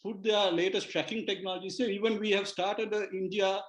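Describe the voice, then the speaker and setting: Sri lankan guy arguing on a news panel, highish voice, halting, roomy sound. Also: flat delivery. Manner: halting, repeating words and stumbling. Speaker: debate panelist. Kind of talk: argumentative live TV debate. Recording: roomy, echoing remote guest feed.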